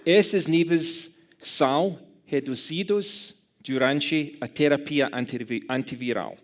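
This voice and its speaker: A man from Scotland giving an academic lecture in a second language with a Scottish English accent, careful and halting, correcting himself as he goes, with dry humor. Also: on the high side. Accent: Scottish English speaker speaking Portuguese.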